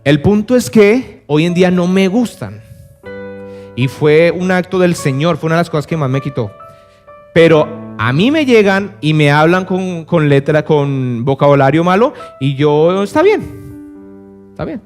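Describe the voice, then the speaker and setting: A man's voice: animated, a little slow. A man pastor preaching a sermon in a conversational way, asking the congregation rhetorical questions and briefly acting out other voices. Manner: acts out other voices with dramatic pitch swings. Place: church service. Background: soft piano.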